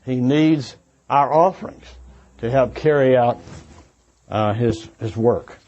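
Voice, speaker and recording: A man preaching an informal, earnest sermon of exhortation, speaking haltingly and often restating his phrases. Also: medium pitch, darkish tone, lo-fi sound, a little hiss or hum. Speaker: preacher addressing young adults at a church gathering.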